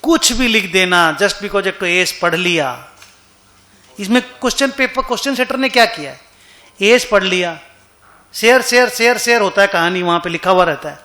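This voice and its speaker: A male accounting teacher lectures in a relaxed, conversational way and keeps checking whether his students follow. His voice sits high and comes across bright and forceful. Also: normal speed. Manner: conversational, asks students questions often. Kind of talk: classroom lecture. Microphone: online class recording.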